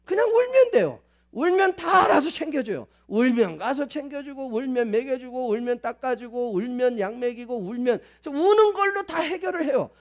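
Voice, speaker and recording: A male pastor preaching a sermon at a church service, animated and asking the congregation many questions. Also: very high voice, moderate pace, hardly any pauses.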